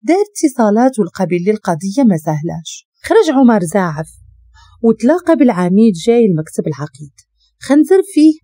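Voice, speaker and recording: Moroccan woman narrator for a drama story, warm lively voice, dry close sound. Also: mid-range voice, brisk, dry recording. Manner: steady expressive narration.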